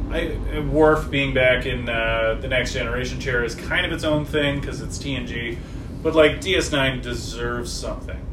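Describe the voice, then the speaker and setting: A man talks at a moderate pace with noticeable background noise in the recording. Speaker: guest host. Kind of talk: casual chat.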